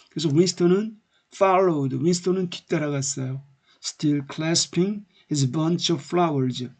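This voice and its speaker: Husky man explaining a novel line by line. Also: fairly high pitch, darkish tone. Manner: reads English lines slowly, then explains in Korean. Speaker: English literature teacher. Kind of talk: lecture reading and explaining a novel.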